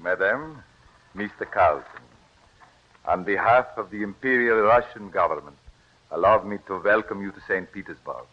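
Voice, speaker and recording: A courtly Russian prince offers a formal, ceremonious welcome, played by a man. His voice is low. The recording is lo-fi with a faint hiss, like an old radio broadcast. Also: moderate pace, lightly acted. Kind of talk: 1940s radio acting.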